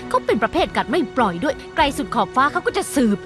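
A sharp-tongued, scolding woman of a wealthy family for a TV drama. She speaks fast with a lively, swooping pitch. Music plays clearly beneath her. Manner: scolding, quick and expressive. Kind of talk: Thai dub of a TV drama. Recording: studio dub with music bed.

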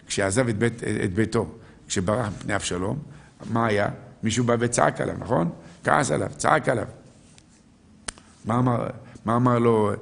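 Rabbi giving a live sermon: low voice, gravelly and husky, peppers the crowd with rhetorical questions and cites scripture. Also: male voice. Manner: asks the audience rhetorical questions and answers them; quotes verses and sages.

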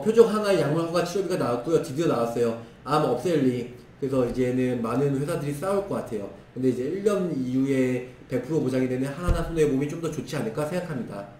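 A man in his thirties with a hoarse, strained voice, walking through insurance products in brisk, clipped phrases. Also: mid-range voice, a little mellow, recorded from a distance. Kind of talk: screen-share product walkthrough. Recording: roomy echo, voice off-mic with faint noise.

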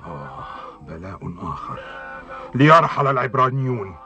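A man's voice: medium pitch, sing-song, quick pace, pushed and bright, slight background noise. A man playing a stern, irritable Pharaoh of ancient Egypt in a cartoon, imperious and grumbling. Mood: grim, annoyed. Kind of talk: cartoon drama acting. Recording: dull lo-fi cartoon soundtrack.

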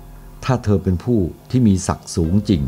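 A man's voice: normal speed, mellow, faint music behind, close to an everyday voice. A man reading the part of a domineering male Hun envoy who speaks harshly and gives commands. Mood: suspicious.

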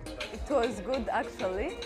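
A woman's voice: fairly high pitch, expressive, measured pace, over music. A woman exhibitor speaking plainly and hesitantly in an interview.

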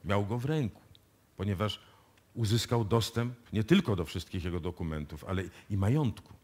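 An actor playing a confident police detective who deliberately lays out a case in a radio play. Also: male voice, fairly low pitch, lively intonation, darkish tone. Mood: matter-of-fact. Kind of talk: live radio drama acting in Polish. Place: radio music studio, performed live before an audience.

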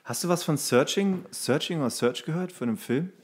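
A man's voice: on the high side, moderate pace, slightly rough. A young man co-hosting a podcast, chatting casually. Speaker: podcast co-host. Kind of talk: casual chat.

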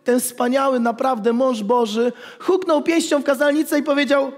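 A man in his thirties, a pastor, preaching an animated sermon with jokes, at a pulpit in a church hall. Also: very high voice, normal speed. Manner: animated, gestures while preaching, jokes with the congregation. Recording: long reverb of a church hall.

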